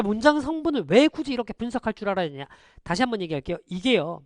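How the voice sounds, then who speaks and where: In an online lesson, a high-voiced male English teacher tests his students with quick rhetorical questions while moving between formal and casual speech. There is no echo.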